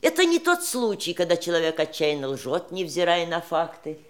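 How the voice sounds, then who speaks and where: An actress playing a dying man's wistful, sharp-witted mistress in an audio drama, theatrical and searching, with pointed irony. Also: on the low side, lively intonation, normal speed, natural voice. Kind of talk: stage-style audio drama acting.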